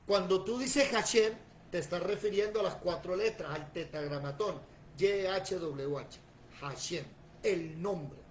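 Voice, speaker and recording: A man leads a Bible class in a high, lively voice. He talks plainly and checks in with his students as he goes. A faint hiss of noise sits under the recording. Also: unhurried, poor audio. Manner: animated, plain-spoken, asks the class questions. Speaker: Bible teacher.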